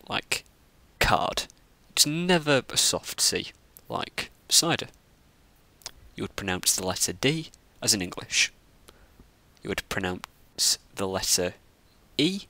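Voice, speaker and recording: A man teaching the Latin alphabet, explaining each letter slowly and carefully. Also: fairly low pitch, pushed and bright, no echo. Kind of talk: scripted lesson narration.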